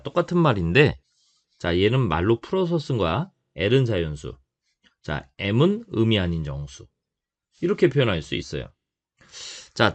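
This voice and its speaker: A male math teacher with a fairly low voice explaining at the board. His pitch rises and falls a lot, and he keeps repeating key phrases and asking whether the class follows. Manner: lively, repeats key phrases, checks in with students. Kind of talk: whiteboard math lecture.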